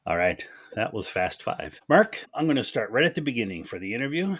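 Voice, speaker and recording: A man's voice: mid-range voice, sing-song, a little fast, a bit bright, breathy edge. A man hosting a podcast, asking questions in a chatty, friendly way. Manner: friendly, chatty, asks follow-ups. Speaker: podcast host. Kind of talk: casual interview questions.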